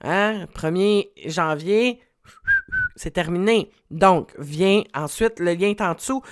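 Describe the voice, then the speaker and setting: A woman's voice: lowish voice, slow, slight background noise. Chatty Québécois woman coach. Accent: Québécois French. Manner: chatty, encouraging, many fillers. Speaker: relationship coach. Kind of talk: casual commentary.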